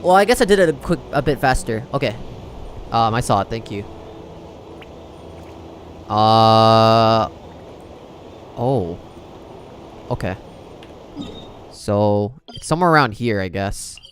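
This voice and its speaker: A man's voice: lowish voice, expressive, takes it slowly, long pauses, a little hiss or hum. A man livestreaming a video game, chatting casually with viewers and rambling as he thinks aloud.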